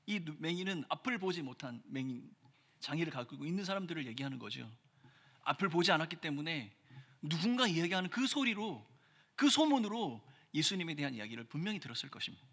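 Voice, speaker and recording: A man preaching a sermon as pastor, earnest, pressing hard on key phrases and then dropping his voice low. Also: fairly bright tone. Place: church sanctuary. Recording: church hall reverb.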